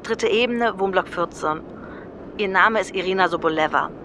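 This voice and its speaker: A woman's voice: medium pitch, moderate pace, noisy background, lightly acted. An actress playing an earnest, concerned young woman in a German audio drama. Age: young adult. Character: young female model, earnest and concerned for a friend.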